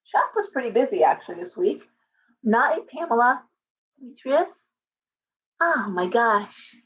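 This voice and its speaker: A middle-aged woman, a tarot reader, chatting casually on a livestream from her living room, hoarse from coughing and rambling with many restarts. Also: fairly high pitch, big pitch swings, unhurried. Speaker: tarot reader and shop owner. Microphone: webcam at desk distance. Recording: slightly dull lo-fi webcam audio.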